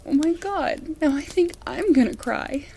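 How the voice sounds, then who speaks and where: A woman's voice: high-pitched, lively intonation, measured pace, creaky, slight background noise, exaggerated voice. A woman acting in an amateur audio drama as a loving, sympathetic partner who listens in awe. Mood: amazed. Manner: gentle, sympathetic, awestruck. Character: loving, tender woman comforting her shaken partner.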